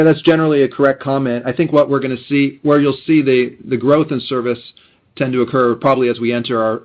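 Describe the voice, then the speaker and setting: A man speaking as a company executive, giving measured, businesslike answers on a muffled conference line. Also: mid-range voice. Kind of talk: unscripted answers on an earnings call.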